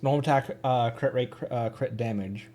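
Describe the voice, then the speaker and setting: A man's voice: medium pitch, moderate pace, mellow. A man giving casual live commentary on a gaming stream, rambling and thinking aloud as he goes. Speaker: streamer and host.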